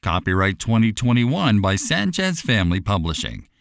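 A man narrating a scripted children's bedtime story in an animated storytelling manner. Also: lowish voice, moderate pace, gravelly, dry recording, clean studio sound. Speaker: audiobook narrator.

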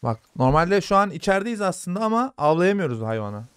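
A young man casually commenting on his gameplay, chatting to his viewers and softly calming a horse in the game. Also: sits high, brisk, clear, resonant tone, dry recording. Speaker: gaming YouTuber. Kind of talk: casual let's-play commentary.

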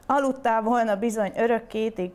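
A woman's voice: on the high side, a little mellow, clear, resonant tone, natural voice. A woman reading a fairy tale, voicing a loyal, wise grey wolf speaking to a prince. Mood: urgent.

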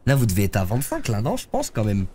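A man's voice: fairly low pitch, wildly swooping pitch, fast talker, dark tone, a little hiss or hum. A young man, streaming a game live and chatting loosely with viewers in slangy talk while congested with a head cold. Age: young adult. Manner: slangy, loose, talks to chat while playing. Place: streaming room, seated in a gaming chair.

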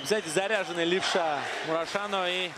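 Man, live fight commentary, somewhat high voice, clear background noise from the arena. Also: steady tone, fairly quick. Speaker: sports commentator. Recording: noisy arena crowd behind the voice. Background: arena crowd and noise.

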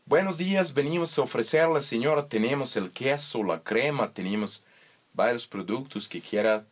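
A man's voice: medium pitch, moderate pace, pitched above the performer's own voice, lightly acted. A man voicing a polite door-to-door cheese seller who speaks Spanish with a German accent in a courteous, singsong manner.

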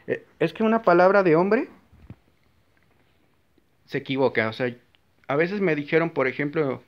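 A man's voice: on the high side, animated, moderate pace. Blunt Mexican man preaching informally. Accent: Mexican Spanish. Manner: blunt, forceful talk; rambling, with frequent restarts. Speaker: Catholic video maker. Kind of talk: informal religious monologue. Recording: slightly dull, lo-fi recording.

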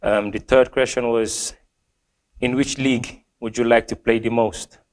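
A young man from Gambia, a football player, reads out fan questions and answers them with many pauses, fillers and restarts. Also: medium pitch, fairly even intonation. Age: young adult. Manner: hesitant, many ums and restarts. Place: small plain indoor room.

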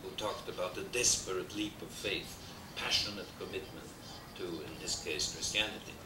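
A man's voice: low voice, moderate pace. An older man from Austria with an Austrian German accent, giving an academic lecture at a desk microphone, hesitating often and adding dry asides. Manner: discursive, frequent hesitations, dry humor. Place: wood-paneled lecture hall. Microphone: desk mic on stand. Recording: roomy, distant, noisy VHS transfer.

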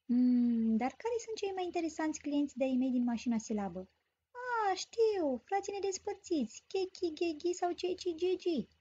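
High-voiced woman telling a grammar story. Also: animated, dark tone. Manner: clear, explanatory storytelling. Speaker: teacher. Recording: dull lo-fi recording.

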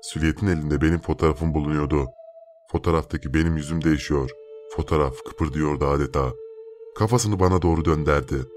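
A man narrating a first-person horror story in a steady, measured way. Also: a bass voice. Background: faint music.

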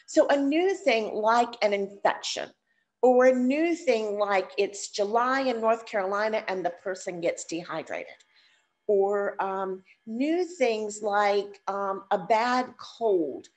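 A woman's voice: mid-range voice, takes it slowly. An older woman teaching dementia care over a video call, chatty and encouraging, her voice stuffed up from a cold. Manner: chatty, encouraging, addresses audience as y'all. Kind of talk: live online teaching session. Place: living room, seated on a sofa. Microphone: webcam on a video call.

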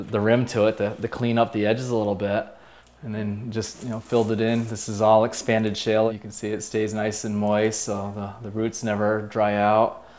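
A man in his thirties with a fairly low voice casually explains his homemade aquaponics setup in a greenhouse and at home. He speaks plainly, with fillers and restarts.

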